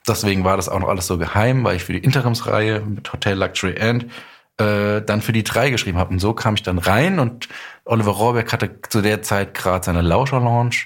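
A man's voice: fairly low pitch, fairly quick. A middle-aged man telling career anecdotes in a casual interview, acting out bits of quoted dialogue as he goes. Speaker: guest, audio drama writer and director.

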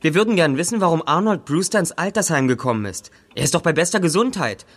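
A man's voice: on the high side, expressive, fast talker, a bit bright. An actor playing a polite, persistent young male investigator in a German radio drama. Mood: earnest, questioning. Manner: polite, insistent questioning.

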